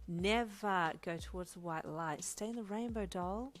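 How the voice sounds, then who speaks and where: A woman's voice: mid-range voice, unhurried, lightly acted. A woman voicing a flamboyant, sassy gay man in a story, with theatrical, exclamatory gushing and camp endearments.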